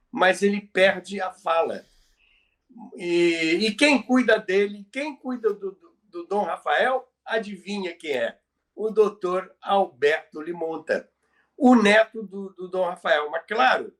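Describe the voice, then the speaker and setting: Brazilian guy podcast host, pretty high voice, halting storytelling, repeats himself a lot. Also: fairly bright tone. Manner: halting, repeats words for emphasis. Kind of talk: conversational storytelling about radio history.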